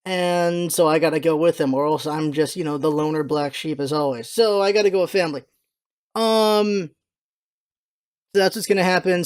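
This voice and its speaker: A man with a noticeably high voice talks as the host of his own channel. His delivery is casual and unscripted, meandering from point to point as he thinks aloud in an informal way. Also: darkish tone. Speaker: video creator and streamer, channel host. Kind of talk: casual channel update, rambling chat.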